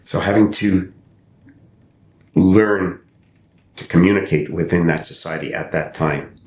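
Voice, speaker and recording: Older man from Canada, English not his first language, very low voice, roomy sound. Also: unhurried, darkish tone. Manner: thoughtful, with frequent restarts and repeated phrases. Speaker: podcast guest, actor and playwright. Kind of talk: reflective interview storytelling. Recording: roomy with faint rumble.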